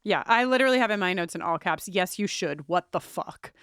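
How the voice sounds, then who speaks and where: Woman podcast co-host, casual and animated, salty mouth, clear voice, dry close sound. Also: fairly low pitch, brisk, no echo. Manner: animated, swears freely, acts out character lines. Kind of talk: casual recap chat.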